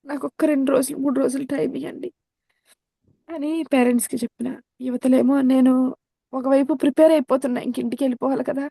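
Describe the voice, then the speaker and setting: Fast-talking woman giving earnest testimony. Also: sits high, creaky, husky, dry recording. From India. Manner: earnest, animated storytelling, repeating phrases. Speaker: Christian speaker giving testimony. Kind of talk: personal testimony in a sermon.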